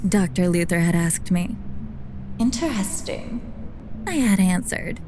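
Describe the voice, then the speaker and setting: A woman playing a dry, clinically amused senior scientist, narrating an audio drama in an articulate, deadpan way. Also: fairly low pitch, a little slow. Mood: wry, measured. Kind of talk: scripted first-person audio drama narration.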